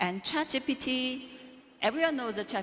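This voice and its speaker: A woman speaks in a Korean accent, sounding somewhat breathy. Her pitch swings very widely. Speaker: conference speaker. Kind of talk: presentation. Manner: halting.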